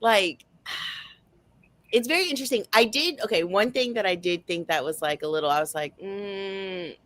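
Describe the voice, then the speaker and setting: A woman's voice: medium pitch, normal speed, fairly bright tone, dry recording. A woman in a casual book club chat, talking in a rambling way with lots of filler phrases. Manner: rambling, heavy use of like and you know.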